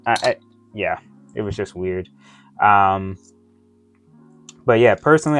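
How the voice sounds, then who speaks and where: A man wearing dental retainers that give him a slight lisp, chatting casually through an unboxing review in a halting, rambling way. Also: fairly low pitch. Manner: halting, rambling, often losing his thread. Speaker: toy review vlogger. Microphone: close microphone within his reach.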